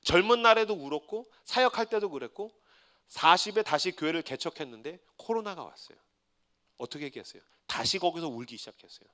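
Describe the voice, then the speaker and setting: A male pastor in his forties preaching a sermon, telling his story with humor and swinging from hushed confession to loud defiance. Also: fairly high pitch, animated, brisk. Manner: swings from hushed tearful confession to shouted defiance, acting out his own prayers.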